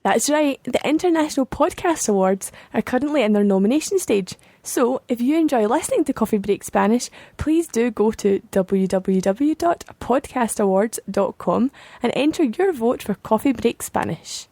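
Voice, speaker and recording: A woman co-hosts a language podcast, trying out phrases as the learner and reading the announcements. Her voice is slightly high but mellow and soft-edged. The sound is close and dry. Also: expressive, a little slow, hardly any pauses, no room sound. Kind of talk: podcast lesson.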